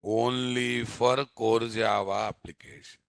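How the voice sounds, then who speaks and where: With a Telugu Indian accent, a software instructor teaches a live programming session, speaking with emphasis, repeating phrases, and checking on listeners through short tag questions. He takes it slowly in a mid-range voice with fairly even intonation, vocal fry, and a fairly bright tone, in a dry, clean studio recording.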